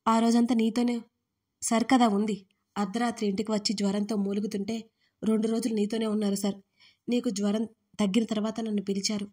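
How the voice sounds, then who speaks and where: A woman's voice: mid-range voice, level tone, brisk, pauses often, mellow, husky, lightly acted. A woman voicing a blunt young female friend who scolds and insists in an audio story. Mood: scolding.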